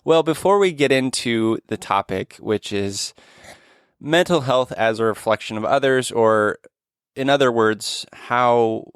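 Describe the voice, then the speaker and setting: A man hosts a casual podcast chat in an earnest, gentle manner and often restarts his phrases. His voice is smooth and resonant, sitting a little low. The close-miked sound is dry, with no room around it. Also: dry recording. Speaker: podcast host.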